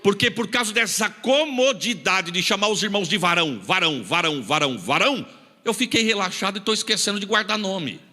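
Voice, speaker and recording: Male São pastor, rapid and bright, lively story sermon, echoing hall. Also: high-pitched. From São Paulo state, Brazil. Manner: animated, acts out dialogue, rising to emphatic shouts. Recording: reverberant church hall.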